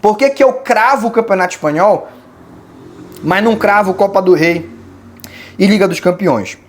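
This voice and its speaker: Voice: mid-range voice, moderate pace. Opinionated Brazilian commentator, casual and colloquial. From Belém do Pará, Brazil. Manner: opinionated, colloquial, reasoning aloud. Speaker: channel host. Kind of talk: casual commentary answering viewer questions.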